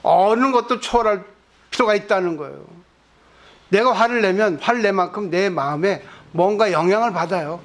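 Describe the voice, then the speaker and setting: Monk giving a dharma talk, fairly high voice for a man, keeps asking the crowd questions. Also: moderate pace, fairly bright tone. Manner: conversational teaching with frequent rhetorical questions to the audience. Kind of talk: sermon. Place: temple dharma hall at a weekend service.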